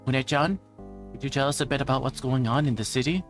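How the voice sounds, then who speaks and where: A man's voice: medium pitch, fast talker, soft background music, voice pushed up, natural voice. A man voicing a friendly, earnest young girl from a visual novel, speaking politely.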